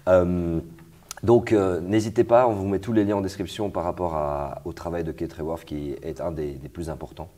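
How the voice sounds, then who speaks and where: A man's voice: sits low, fairly even intonation, normal speed, dark tone. A young man hosting an interview, talking casually with fillers and restarts. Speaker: host.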